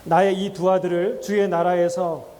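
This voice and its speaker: A male pastor gives a sermon in a church sanctuary, talking it through like a conversation and putting questions to the congregation. His voice sits high but sounds mellow and soft-edged. A long reverb from the church hall trails after each phrase. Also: flat delivery, moderate pace. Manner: acts out quoted voices with laughs.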